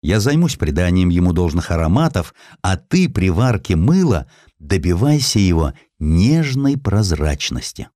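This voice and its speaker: A man voicing an earnest factory owner giving instructions in a measured, businesslike way. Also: sits low, big pitch swings, dark tone, no room sound, clean studio sound.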